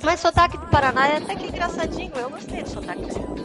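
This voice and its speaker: A woman's voice: very high-pitched, fast talker, music in the background. A woman from Santa Catarina with a coastal Santa Catarina Brazilian accent, telling stories in casual chat and acting out the voices she quotes. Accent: coastal Santa Catarina Brazilian Portuguese. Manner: animated storyteller, acts out quoted voices.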